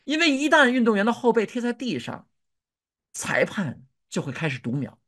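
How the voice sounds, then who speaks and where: A pastor preaching a sermon, telling a story with animated delivery and acting out shouted cries. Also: medium pitch, normal speed.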